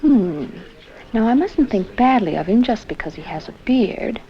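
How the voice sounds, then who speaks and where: Actress as prim polite matron, high lilting voice, creaky, muffled old film. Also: female voice, very animated, normal speed. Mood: musing, reassuring herself. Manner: polite, self-correcting. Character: prim, well-meaning matronly woman judging appearances. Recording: muffled 1970s film soundtrack.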